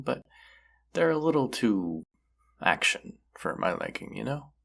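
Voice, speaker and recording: Teasing young male best friend with a hidden crush played by a man, deep and gravelly, intimate roleplay audio. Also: full character voice. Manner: playful, teasing, hesitant trailing delivery. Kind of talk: intimate roleplay audio drama, casual one-sided chat.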